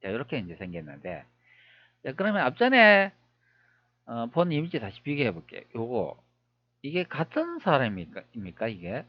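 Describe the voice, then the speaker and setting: A man's voice: medium pitch, wildly swooping pitch, normal speed, no room sound, highs cut off. A man talking viewers through old images on screen, wondering aloud with many rhetorical questions. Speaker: history video creator. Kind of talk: screen-recorded commentary.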